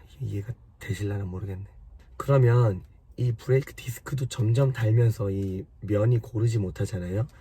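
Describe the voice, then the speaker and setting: Hoarse guy w a low dark voice, walking viewers thru car repair slowly and patiently. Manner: patient, step-by-step explaining. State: hoarse from a cold. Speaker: car maintenance vlogger. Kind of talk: casual explanatory talk to viewers.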